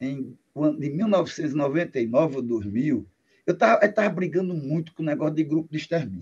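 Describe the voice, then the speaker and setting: A man's fairly high, lively voice at a fairly quick pace. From Brazil, Natal (Rio Grande do Norte). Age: 60s. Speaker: human rights activist and TV channel coordinator. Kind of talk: panel discussion. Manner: halting, with many repetitions.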